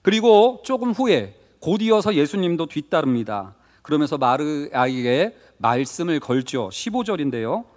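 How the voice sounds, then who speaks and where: A man's voice: fairly high pitch, sing-song, normal speed, few pauses. A male pastor preaching a Wednesday sermon in a conversational way, asking the congregation questions and acting out short quoted lines. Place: church sanctuary. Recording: long reverb of a church hall.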